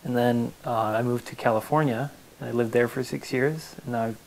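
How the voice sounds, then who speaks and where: A young Canadian man in his twenties, talking through interview questions. He speaks earnestly and at an even pace, dropping in plenty of "uh" and "um" as he goes. His voice sits in a middle register for a man. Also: medium pitch, moderate pace, gravelly, a little hiss or hum, low-quality recording. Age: 20s. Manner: earnest, steady, with frequent fillers. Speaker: interview guest. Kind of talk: casual interview answers.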